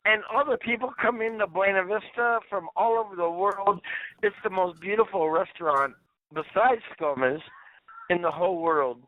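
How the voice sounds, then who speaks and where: A man leaving a rambling voicemail over the telephone, talking in a halting, repetitive, drawn-out way. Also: sits high, noisy background. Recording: tinny phone-line voicemail.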